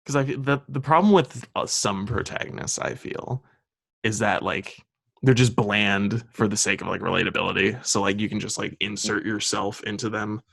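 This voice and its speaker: Rambling young man, slightly gravelly. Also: on the low side, normal speed, a bit bright, dry recording. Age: young adult. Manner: rambling with many fillers and laughs. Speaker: podcast co-host. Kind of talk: casual podcast chat.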